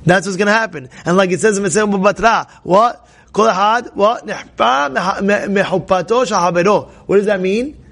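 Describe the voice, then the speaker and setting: A man's voice: high voice, brisk, gravelly. A man teaching a Torah class as a rabbi, pushing his points with repeated phrases and sudden emphatic bursts, asking questions and answering them himself. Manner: rises to emphatic near-shouts, repeats key phrases, asks and answers himself.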